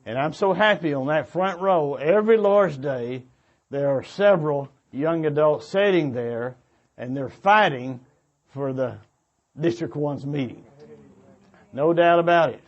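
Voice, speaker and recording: A man with a fairly high voice speaks as a church preacher, urging his listeners on in an earnest way. His delivery is a little halting, with phrases restated as he goes. The recording sounds slightly dull and muffled. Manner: earnest, exhorting. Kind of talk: sermon-like exhortation to a congregation. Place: church meeting before a congregation.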